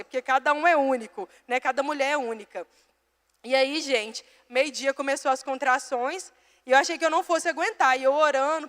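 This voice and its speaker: A woman's voice: high voice, a bit bright. A young woman preaching in a church, telling a personal story in a chatty way and addressing listeners directly before reading scripture. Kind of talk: sermon with personal testimony. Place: church hall. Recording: long hall reverb.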